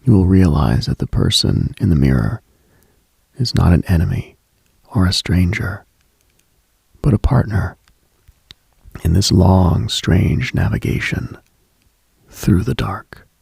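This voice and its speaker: A late-night radio host, a man with a very low voice full of heavy vocal fry. He muses in a hushed, husky murmur, leaving long pauses, recorded close and dry. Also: lively intonation, no echo. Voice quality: husky, gravelly, breathy. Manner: hushed, musing, pausing often. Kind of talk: slow late-night mystical radio monologue, ASMR-like.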